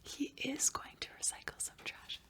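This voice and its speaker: A woman's voice: moderate pace, natural voice. Woman whispering as a young girl student. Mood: whispered answers. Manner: soft whispered answers. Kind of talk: whispered role-play.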